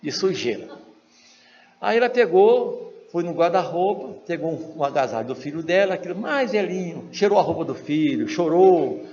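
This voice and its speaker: Man telling a story in a lecture hall. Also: moderate pace. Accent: Brazilian Portuguese. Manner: acts out quoted dialogue with lively shifts in pitch. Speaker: spiritist lecturer. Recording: lo-fi hall recording with faint noise.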